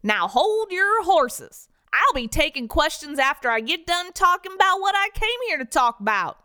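A man voicing a confident cowboy founder of a pizza company, with a folksy Southern drawl and calm authority in a comedic audio story. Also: extremely high pitch, normal speed, pitched above the performer's own voice, exaggerated voice.

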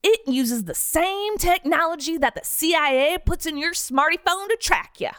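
High, lively cowboy drawl. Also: male voice, normal speed. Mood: confident. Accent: Southern cowboy. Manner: folksy drawl, calm authority. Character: confident male cowboy pizza company founder. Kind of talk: narrated comedic audio story.

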